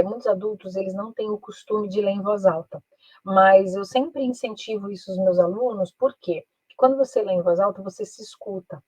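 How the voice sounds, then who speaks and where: A woman's voice: medium pitch, a little mellow, slightly rough, dry recording, poor audio. A woman with a Brazilian Portuguese accent, an English teacher giving an online master class in a chatty manner, often tagging her sentences with a question and slipping into English. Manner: chatty, peppers speech with "né?", switches into English.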